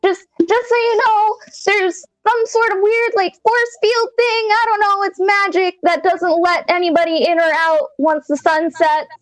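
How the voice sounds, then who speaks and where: A woman's voice: very high-pitched, steady tone, measured pace, few pauses, no echo, faint music behind, voice pushed up, poor audio. A woman voicing a scrawny, nervous young male villager in a tabletop game, hesitant and flustered.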